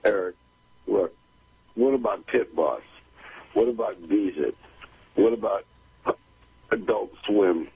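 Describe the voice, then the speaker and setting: A man phoning a talk show on a tinny, narrow line. His voice is very hoarse-edged and gravelly. He pushes his point insistently, repeating phrases as he argues. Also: lowish voice, slow pace, long pauses. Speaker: caller, informal talent manager. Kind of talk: unscripted phone-in argument. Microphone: telephone.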